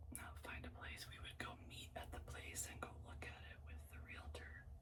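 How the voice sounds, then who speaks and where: A woman whispering over noticeable background noise. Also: moderate pace. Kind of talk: ASMR get ready with me. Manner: whispered.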